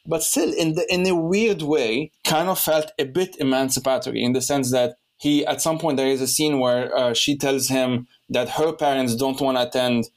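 A man's voice: medium pitch, fairly even intonation, normal speed, few pauses. Rambling young man from Lebanon. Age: young adult. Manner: rambling, many restarts and fillers. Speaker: podcast host. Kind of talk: casual conversation.

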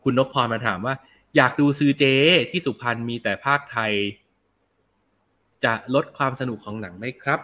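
A young adult man hosting a casual film review show, chatting in a relaxed, slangy way and answering viewer comments. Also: medium pitch, moderate pace.

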